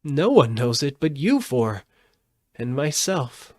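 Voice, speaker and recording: Voicing a timid, cowardly little old humbug wizard with a shaky, begging tone, a man reads from a storybook in a voice raised above his natural one. The pitch is medium, the delivery very animated, slow and a little mellow, with a mood of anxious confiding. The sound is clean studio audio without echo.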